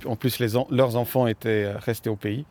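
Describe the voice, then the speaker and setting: Softly spoken Swiss-accented man, hesitant. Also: mid-range voice, fairly even intonation, fairly quick. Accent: light French-speaking Swiss with an unplaceable touch. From Romania. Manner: thoughtful, hesitant, many fillers. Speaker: author and interview guest. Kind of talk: conversational interview. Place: outdoors, walking downhill.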